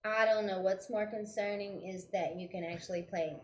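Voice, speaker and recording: A woman's voice: steady tone, moderate pace. A woman co-hosting a casual live show in a pub, playful and teasing, sounding as if inside a barrel. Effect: boomy sound like inside a barrel. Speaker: co-host. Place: local pub, live broadcast. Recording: echoey, barrel-like room sound, faint room noise.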